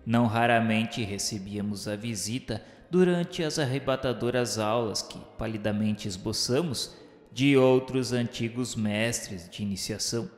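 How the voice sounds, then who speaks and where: A man reading solemn, devout literary narration for a religious radio drama, in a measured, declamatory way. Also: on the low side. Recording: echoey hall-like reverb with music. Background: music.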